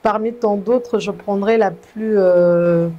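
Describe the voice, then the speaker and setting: A young Congolese woman telling her life story in an interview, measured and earnest, often pausing and restarting. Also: medium pitch, steady tone, warm tone, highs cut off, slight background noise. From Congo (DRC). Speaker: guest, gospel singer. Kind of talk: testimony interview.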